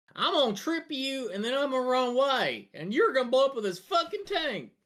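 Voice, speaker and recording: In a put-on character voice with a Southern accent, a female-sounding speaker talks at a fairly quick pace and a high pitch for a woman. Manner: playful, threatening.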